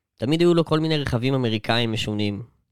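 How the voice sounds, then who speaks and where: This man talks at a fairly quick pace in an ordinary speaking voice, his pitch medium. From Israel, Bat Yam. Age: 20s. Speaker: podcast host. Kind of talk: casual chat; scripted narration. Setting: studio.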